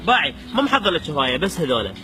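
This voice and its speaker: A man with an Iraqi Arabic accent chats in a high, lively voice that swings up and down. He is casual and teasing, playing the quiz host, with music behind him. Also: rapid-fire. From Iraq. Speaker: host quizzing a guest on Iraqi slang. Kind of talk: casual playful chat. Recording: music in the background.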